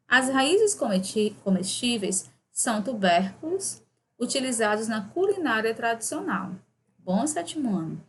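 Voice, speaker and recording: Woman, Brazilian Portuguese accent, schoolteacher, explaining grammar rules, asks "né?" often, faint hiss behind. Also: fairly high pitch. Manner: reads exercises aloud, explains with frequent "né?" tags. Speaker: teacher. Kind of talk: recorded grammar lesson for seventh grade.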